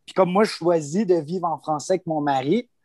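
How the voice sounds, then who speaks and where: A man's voice: a little high, a little fast, darkish tone, dry recording. A man with a Franco-Ontarian French accent, talking casually as a panelist and leaning on lots of informal fillers. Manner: loose and informal, full of "tu sais" and "comme".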